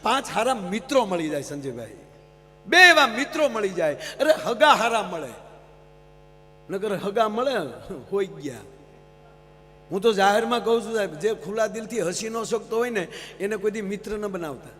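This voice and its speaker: High-voiced man telling stage jokes. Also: normal speed, slight background noise. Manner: lively storytelling with acted quotes and asides to the audience. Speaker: folk comedian on stage. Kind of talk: Gujarati folk stage humor storytelling. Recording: live stage PA with long hall reverb.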